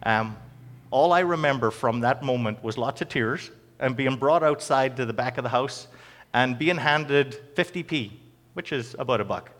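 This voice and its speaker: A middle-aged man with a Northern Irish accent giving a personal testimony to a church audience, conversational and halting, with many ums and restarts. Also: mid-range voice, fairly bright tone, long reverb tail. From Northern Ireland.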